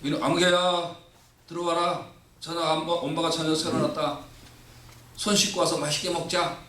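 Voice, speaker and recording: A man's voice: fairly high pitch, flat delivery, normal speed, a bit bright, echoey room, distant mic, a little hiss or hum, lightly acted. Scolding mother, as a man puts her on. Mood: coaxing. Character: scolding mother calling her son to dinner.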